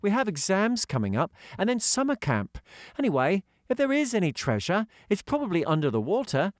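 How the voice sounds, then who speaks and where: A man's voice: high voice, wildly swooping pitch, brisk, dry recording, clean studio sound, voice pushed up. A man voicing a practical, doubtful schoolgirl in an audiobook adventure story. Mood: resigned.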